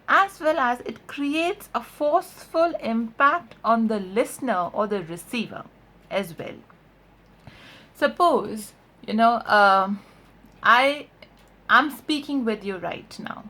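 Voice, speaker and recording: An online voice and accent coach whose first language isn't English teaches an explanatory video lesson. She stresses and stretches key words and keeps checking in with short tags like "right?". Her voice is fairly high, bright and forceful.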